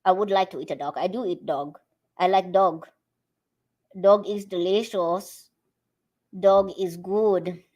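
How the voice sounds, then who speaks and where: Chatty, coaxing phone-prank persona played by a woman, exaggerated fake foreign accent, halting and repetitive, casual livestream delivery. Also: fairly low pitch, steady tone, a little mellow. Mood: deadpan teasing. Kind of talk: casual livestream chat in a put-on voice.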